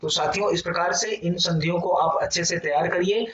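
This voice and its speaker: A man teaching a Sanskrit grammar lesson for exam preparation. He explains in a repetitive, patient way, asks checking questions and reads rules and examples slowly. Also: sits high, steady tone, fairly bright tone. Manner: explanatory, repeats phrases, many fillers like "theek hai". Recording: roomy, distant, muffled, with music behind.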